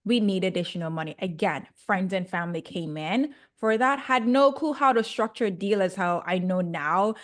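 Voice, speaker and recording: A woman's voice: medium pitch, moderate pace, few pauses. A young woman from Jamaica with a Jamaican accent, a chatty podcast guest who laughs easily. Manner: chatty, laughs often, excitable. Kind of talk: casual interview.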